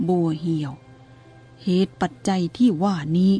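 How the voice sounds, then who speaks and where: A woman voicing a calm, teasing elderly male abbot who speaks in a steady, even tone. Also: on the low side, unhurried, slightly rough, faint music behind.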